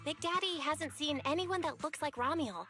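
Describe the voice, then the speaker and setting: An actress voicing a brisk, teasing woman in video game voice acting. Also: high-pitched, over music, close to an everyday voice.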